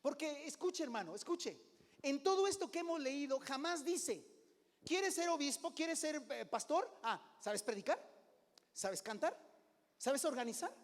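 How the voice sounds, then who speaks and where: A middle-aged man preaching as a pastor, conversational, often calling "hermano", swinging between loud and hushed. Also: very high-pitched, animated, unhurried. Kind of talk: sermon. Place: church sanctuary. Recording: long hall reverb.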